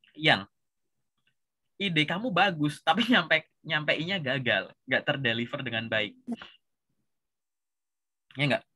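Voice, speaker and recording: A man with a Javanese accent giving a relaxed, chatty coaching session and tagging his sentences with filler words. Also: on the high side. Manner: relaxed, chatty, says "gitu" constantly. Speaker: career coach.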